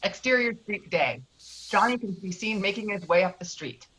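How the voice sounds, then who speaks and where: A woman's voice: medium pitch, animated, moderate pace, fairly bright tone, poor audio. A woman reading screenplay stage directions as the narrator of a table read.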